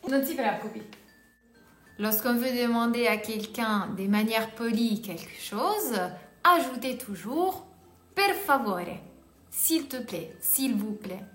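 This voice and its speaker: A woman's voice: fairly high pitch, animated, takes it slowly. A woman with an Italian accent teaching a beginner lesson in French, saying each Italian word twice and then giving its meaning. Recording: echoey room with faint music.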